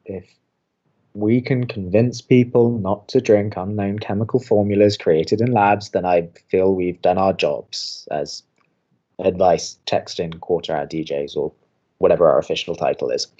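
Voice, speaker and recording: A man's voice: sits low, steady tone, measured pace, warm tone, breathy edge, lo-fi sound. A man playing a dry, skeptical, awkward young college radio co-host in an audio drama. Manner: dry, hesitant.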